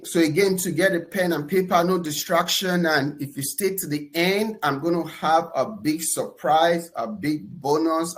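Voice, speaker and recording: A man with a Nigerian accent hosting a live webinar, energetic and enthusiastic, often pausing on "uh" and ending points with "okay?". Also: a little high. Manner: energetic, enthusiastic shout-outs; fillers and repeated "okay?". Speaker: webinar host.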